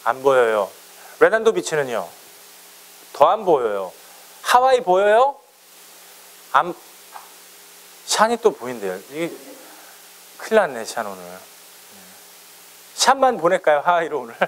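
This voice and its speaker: Male pastor, high voice, very lively pitch, playful sermon, teases the congregation. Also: unhurried, pauses often. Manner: lively, playful preaching, teasing listeners by name.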